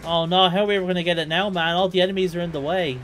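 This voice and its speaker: High-voiced young man streaming a game. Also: steady tone, racing, a bit bright, faint music behind. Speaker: video game streamer and speedrunner. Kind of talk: casual live gameplay commentary.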